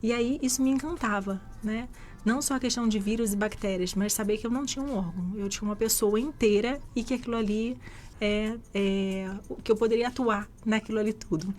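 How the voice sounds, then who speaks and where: A woman from Rio de Janeiro, a physician guest giving steady, explanatory answers in a radio studio interview. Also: on the high side, fairly quick, faint music behind. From Rio de Janeiro, Brazil.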